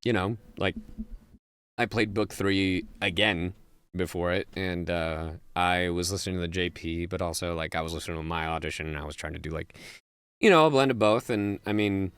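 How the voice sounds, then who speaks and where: A young man with a low but sharply bright voice talks in a loose, animated way. He stumbles and restarts often, then jumps up into high-pitched bursts. The sound is close and dry, with no room around it. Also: moderate pace, clean tone, no echo. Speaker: voice actor guest. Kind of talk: casual interview chat.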